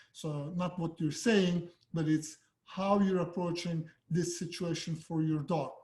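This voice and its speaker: High-voiced man giving dog-training tips. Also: darkish tone. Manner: friendly, direct, loose and conversational. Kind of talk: casual tips video.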